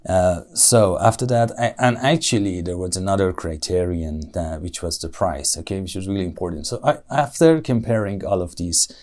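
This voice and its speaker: A man with a Persian accent and a notably low, deep voice, giving spoken-exam answers in English. He thinks aloud, fills gaps with "uh" and restarts his phrases, sounding careful rather than rushed. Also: darkish tone. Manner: thoughtful, with frequent "uh" and self-corrections. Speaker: IELTS speaking test candidate.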